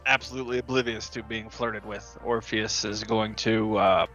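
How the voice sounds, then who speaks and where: A man playing a tabletop roleplaying game, speaking in a dry, deliberate way as he roleplays and chats. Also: lowish voice, steady tone, a bit bright, dull audio, soft background music. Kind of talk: in-character roleplay and table chat.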